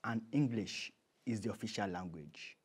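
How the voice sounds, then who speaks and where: A man's voice: lowish voice, moderate pace, husky. A man with a Nigerian accent speaking as an interview guest, conversational and emphatic, often repeating his key phrases.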